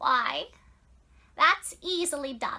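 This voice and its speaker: An extremely high-pitched, female-sounding put-on character voice. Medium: read story.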